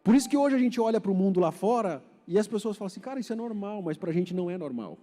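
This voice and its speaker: High-voiced preacher from Paraná, Brazil. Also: male voice, expressive, fast talker, warm tone, long reverb tail. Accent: Paraná Brazilian Portuguese. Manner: conversational, asks the congregation questions. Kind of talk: sermon. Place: church hall.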